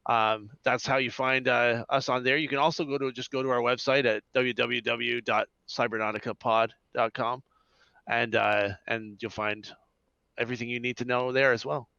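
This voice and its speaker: A man speaking as an interview guest about his creative work, casual and somewhat halting. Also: mid-range voice, fairly even intonation, creaky, sharp tone, dry recording. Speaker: guest, audio drama creator. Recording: dull, band-limited sound.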